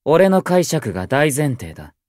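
A man's voice: on the high side, sing-song, measured pace, darkish tone, dry recording, studio quality. An actor playing a stern, proud, aloof young male idol in a Japanese voice drama, with curt, formal and haughty speech. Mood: stern, argumentative. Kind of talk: Japanese anime-style voice drama acting.

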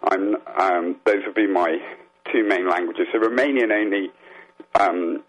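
A man speaking as an interview guest, explaining things in an earnest, reflective way and halting as he gathers his thoughts. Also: low-pitched, husky. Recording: dull, muffled phone-like line.

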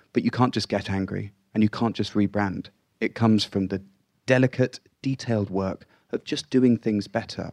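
Low-voiced man making a measured case. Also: gravelly, a little mellow, no room sound, studio quality. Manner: measured, persuasive, list-like rhetoric. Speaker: panelist, magazine editor. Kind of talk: panel discussion.

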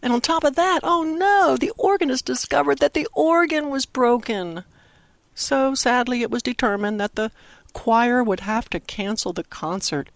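Expressive woman storyteller with a high voice. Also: dry recording. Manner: expressive, simple phrasing with emphatic pauses. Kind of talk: dramatic Christmas storytelling for children. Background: music under the narration.

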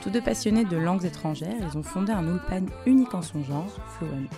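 A woman hosting a radio interview, asking clear, measured questions. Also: on the low side, animated, over music. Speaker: radio host.

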